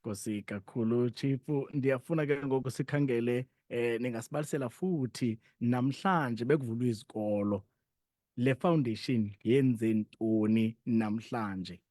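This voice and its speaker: A man's voice: medium pitch, a little slow, a little mellow, dry recording, studio quality. A man with a South African Xhosa accent hosting a conversational radio interview and putting questions to guests.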